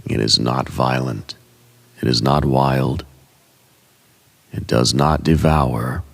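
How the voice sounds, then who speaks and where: Very deep, gravelly, hushed male meditation narrator. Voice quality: gravelly, husky, breathy. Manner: solemn, hushed, deliberate, with short measured phrases. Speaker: host and narrator of a meditative radio show. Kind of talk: ASMR guided meditation, slow dreamlike scripted narration.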